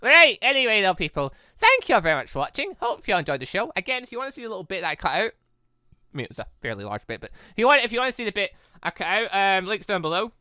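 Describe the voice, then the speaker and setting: A man with a bright, clear voice hosts a casual let's play. His pitch swings widely as he rambles along excitably. The delivery is informal and conversational. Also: fast, dry recording, studio quality. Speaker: gaming video host.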